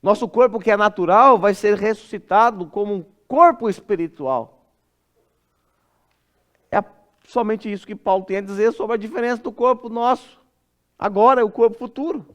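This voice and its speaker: A man with a Brazilian Portuguese accent preaching an expository sermon in a church, expressive and dropping soft and low when he acts out a parent speaking. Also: normal speed, muffled recording. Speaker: pastor.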